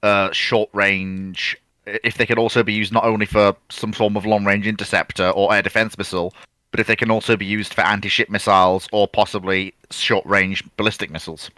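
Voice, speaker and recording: Male panel guest, low-pitched and bright, casual discussion, dry sound. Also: little pitch movement, fairly quick, no room sound.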